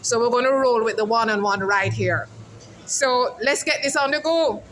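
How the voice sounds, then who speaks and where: A woman's voice: fairly high pitch, moderate pace, a bit bright, a little hiss or hum, rough recording. A woman hosting a casual outdoor interview vlog, chatty and calling her viewers "guys". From Jamaica. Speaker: host. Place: outdoors at a mall food court.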